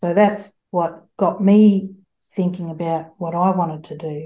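A somewhat breathy woman's voice, fairly low in pitch, with a dark, mellow tone. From southwest Western Australia. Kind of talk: interview. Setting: video call.

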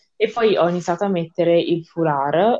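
The sound is dry and close, with no echo. The speaker is a woman. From northern Italy, Veneto (Vicenza). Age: 20s. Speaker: social media page admin. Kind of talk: casual interview.

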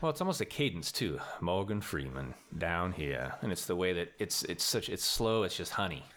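A man speaks at a moderate pace in a very deep, low voice, with very wide pitch swings and vocal fry. The recording is very clean, with a silent background. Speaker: podcast host and local actor. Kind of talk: casual interview chat.

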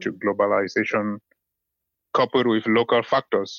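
At a moderate pace, a man speaks in a flat monotone at medium pitch. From Cameroon, northwest region. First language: Kijom (Babanki). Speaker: linguistics researcher. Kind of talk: interview.

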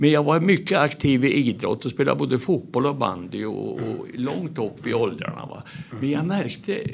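Noticeable background noise sits behind a man whose fairly high voice swings very widely in pitch at a moderate pace. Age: 70s. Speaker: retired recovering alcoholic. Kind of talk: testimony.

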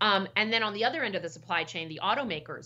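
A woman with an American accent speaks at a very fast pace. Her tone is bright and sharp, with lively intonation. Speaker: political science professor. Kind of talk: interview. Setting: video call.

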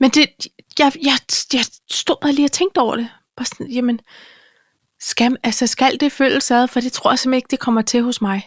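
A woman with a high voice and fairly even intonation speaks at a moderate pace with long, frequent pauses, the sound dry and close with no echo. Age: 40s. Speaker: podcast co-host. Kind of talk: casual chat.

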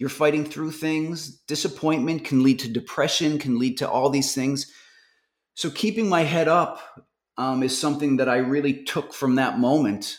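In a very clean recording with a silent background, a man in a plain, everyday voice speaks at a fairly high pitch and a moderate pace with ordinary pitch variation. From Newfoundland, Canada. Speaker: actor and former music TV host. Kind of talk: casual interview chat.

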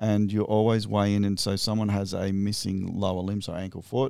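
In an Australian accent, a man speaks at a fairly quick pace with a fairly low pitch and a dark, mellow tone. His intonation is monotone and flat, and the recording is very clean with a silent background. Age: 50s. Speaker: retired para powerlifter. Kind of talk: casual interview chat. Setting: studio in a gym.

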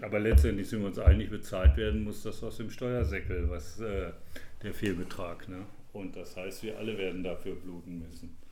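With audible room echo, a man speaks at a very deep, low pitch in a dark, mellow tone with vocal fry and big swings in loudness. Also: moderate pace. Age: 60s. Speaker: language teacher. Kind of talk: interview. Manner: hesitant with fillers.

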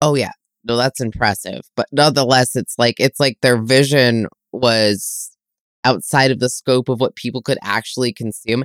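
An unremarkable speaking voice from a man, medium in pitch, moderate in pace and fairly even in intonation, in a very clean recording with a silent background and a dry, close sound with no echo. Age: 30s. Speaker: podcast co-host. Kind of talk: casual chat.

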